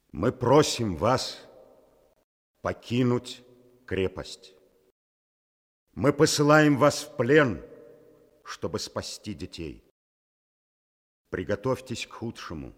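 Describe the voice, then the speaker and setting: An actor playing a grave, fatherly army major commanding a besieged fortress in a radio drama, with a deep husky voice. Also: heavily acted. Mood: solemn, pleading.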